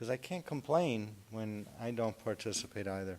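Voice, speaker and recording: A man speaks in an ordinary speaking voice at a moderate pace. His pitch is fairly low. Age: 60s. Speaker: resident making public comment. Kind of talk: public comment at council meeting. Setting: village board meeting.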